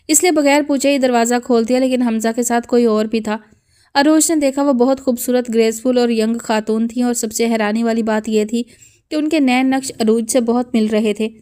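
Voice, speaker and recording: Woman, audiobook narrator, emotive storytelling, fairly high voice. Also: warm tone. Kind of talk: dramatic audiobook narration of a novel.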